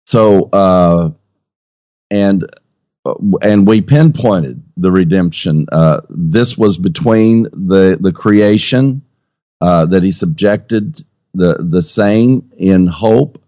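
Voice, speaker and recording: A man's voice: low-pitched, slow pace, mellow, no echo, dull audio. A man teaching the Bible conversationally, with a TV preacher's emphatic repetition and rhetorical questions.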